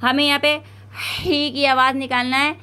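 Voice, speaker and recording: Speaking with a South Asian Urdu accent, a woman teaches Quran recitation in stages, modeling each word with slow elongation and following up with fast explanations. Her high voice is bright and forceful, with a flat delivery.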